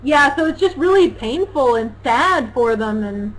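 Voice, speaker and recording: A young woman with a high voice talks loudly and animatedly on a casual talk show. She teases and laughs easily as she co-hosts. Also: a little slow, a little hiss or hum, rough recording. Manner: loud, animated, mocking, laughs often. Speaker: co-host.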